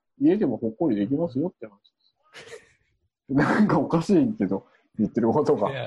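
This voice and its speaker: A man talks with very wide pitch swings and big swings in loudness, leaving long, frequent pauses, in a dry, close sound with no echo. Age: 30s. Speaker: artist based in New York. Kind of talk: casual chat.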